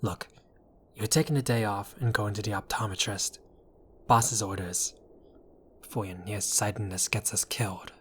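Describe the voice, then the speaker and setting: A man's voice: lowish voice, fairly even intonation, normal speed, long pauses, slight background noise, lightly acted. Man playing apologetic, exasperated mafia boss. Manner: conversational, wry, placating, theatrical asides. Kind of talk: audio roleplay addressed to the listener.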